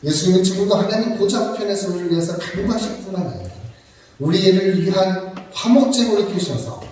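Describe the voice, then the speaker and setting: A man's voice: high voice, lively intonation, brisk, a little mellow, a little hiss or hum. A man preaching a sermon, talking to the congregation conversationally with joking asides and rhetorical questions. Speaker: pastor. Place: church sanctuary. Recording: echoey church hall from far off.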